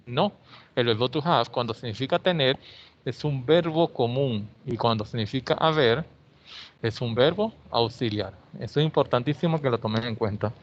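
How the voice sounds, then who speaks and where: A male English teacher, explaining grammar in an online class and often checking in with "ok?". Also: medium pitch. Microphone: video call. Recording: slightly dull video-call audio.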